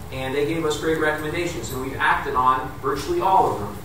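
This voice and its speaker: The speech goes at a very fast pace. There is audible room echo and noticeable background noise. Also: man. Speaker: politician at town hall. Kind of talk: public speech. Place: hall. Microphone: podium.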